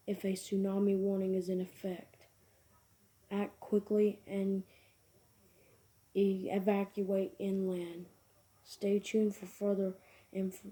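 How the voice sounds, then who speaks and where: A woman reading a scripted emergency broadcast announcement in a formal, deliberate monotone. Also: mid-range voice, slightly rough.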